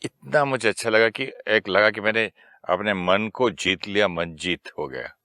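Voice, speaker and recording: Deep Indian man, guest storyteller acting out dialogue, dry studio. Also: a little slow, sharp tone, no room sound. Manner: anecdotal, acts out quoted dialogue. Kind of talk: storytelling in conversation.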